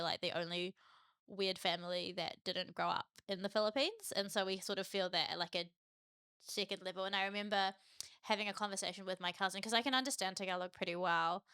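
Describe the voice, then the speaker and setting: Bright, clear-voiced woman telling stories. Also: mid-range voice, no room sound, studio quality. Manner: chatty storyteller, laughs easily. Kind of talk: casual podcast conversation.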